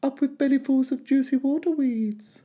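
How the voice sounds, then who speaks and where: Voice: moderate pace, dark tone, dull audio, natural voice. A reader doing hooting duck-billed dinosaurs. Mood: cheerful. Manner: high, hooting, cheerful.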